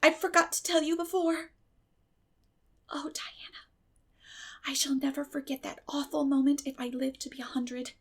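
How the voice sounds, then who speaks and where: A woman's voice: high-pitched, level tone, moderate pace, pauses often, pitched above the performer's own voice. A woman voicing a dramatic, effusive young girl in a storybook, with a gushing, wailing manner. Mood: mortified, dramatic.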